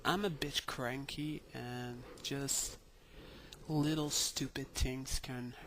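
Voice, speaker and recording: Young male vlogger, mid pitch, very slow and hesitant, faint background noise. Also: fairly even intonation, fairly bright tone. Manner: hesitant, many ums and pauses. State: tired. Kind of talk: casual video diary.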